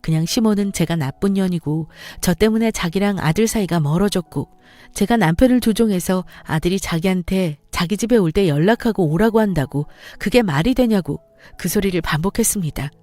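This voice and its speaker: A woman's voice: medium pitch, a little fast, mellow, no room sound, soft background music. A woman narrating a scripted first-person radio story, speaking directly to the listeners. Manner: plain storytelling, talks to listeners.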